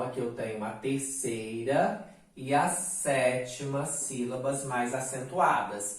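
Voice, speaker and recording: Slow-paced male teacher in an echoey room. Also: medium pitch. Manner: slow, deliberate dictation, stressing syllables. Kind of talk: recorded video lesson. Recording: echoey room, mic at a distance.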